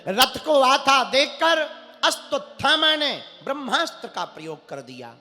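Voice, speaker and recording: A male preacher tells devotional stories in a high, very lively voice and a slow, unhurried cadence. Each line rings out in a large hall with a long echo, and faint music plays beneath. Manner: dramatic storytelling with sung verses. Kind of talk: devotional sermon storytelling.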